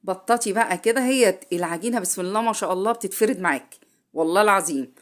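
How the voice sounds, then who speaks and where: A woman's voice: medium pitch, rapid-fire. A woman with an Egyptian accent, who has a cold, chats through a home cooking tutorial. She talks straight to her viewers and often corrects herself midway. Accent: Egyptian Arabic. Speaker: home cook.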